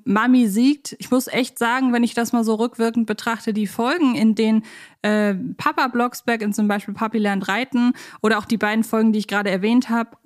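A woman co-hosting a casual fan podcast, chatting in long, rambling asides. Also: on the high side. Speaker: podcast co-host.

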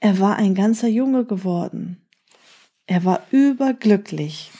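Mellow breathy woman reading a children's tale. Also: medium pitch, measured pace. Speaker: storyteller. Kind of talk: reading a children's story aloud.

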